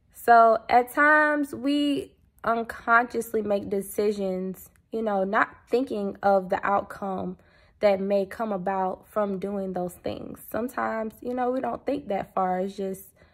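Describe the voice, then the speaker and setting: A woman talks fairly slowly, her pitch varying in an ordinary way, against a quiet background. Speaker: vlogger giving life advice. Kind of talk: casual motivational vlog talk. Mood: earnest, reflective. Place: home room. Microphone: phone near.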